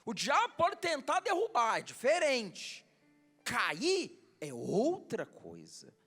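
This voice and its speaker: Brazilian male pastor, high animated voice, slow deliberate delivery, faint music under. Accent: Brazilian Portuguese. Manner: calls out questions to the congregation. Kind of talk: sermon. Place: church.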